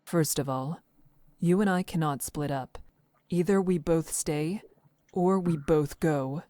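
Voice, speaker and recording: A level-headed, guarded woman protector from a visual novel. Her voice is very low and dark, measured and calm, with a dry close sound. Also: no echo.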